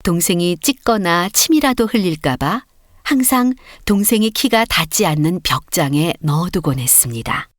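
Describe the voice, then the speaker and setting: A woman reading a storybook as an audiobook narrator, with expressive, clearly paced scripted delivery. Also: on the low side, moderate pace, no echo, studio quality.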